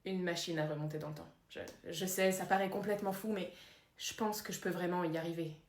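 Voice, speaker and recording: A woman voicing a soft-spoken young genius inventor. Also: on the low side, fairly even intonation, brisk, roomy sound, pitched below the performer's own voice, close to an everyday voice. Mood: earnest.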